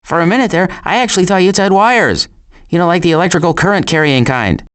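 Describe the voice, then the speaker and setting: A man voicing a sardonic, glib animal adventurer in an animated video game, with dry sarcasm and deadpan asides. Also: high voice, fast, clear, resonant tone.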